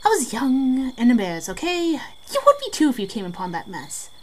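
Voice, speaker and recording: A woman's voice: high voice, big pitch swings, brisk, rough recording. A woman playing a brash young local telling haunted-house tales in an amateur audio drama, casual and dramatic. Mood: indignant amused. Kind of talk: amateur audio drama, scripted ghost storytelling.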